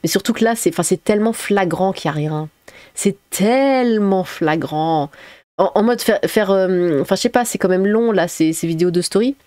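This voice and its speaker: A woman's voice: medium pitch, fast, hardly any pauses, darkish tone, no echo. Rambling sarcastic woman streaming from home. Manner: hesitant and rambling, sarcastic asides. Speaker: streamer reacting to chat. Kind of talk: casual livestream commentary. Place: at home, cat nearby.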